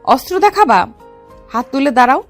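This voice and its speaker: A woman's voice: high-pitched, big pitch swings, brisk. A woman playing a bold young female gangster and secret officer in a dramatized love story, commanding yet affectionate. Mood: cold, commanding. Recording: music under the voice.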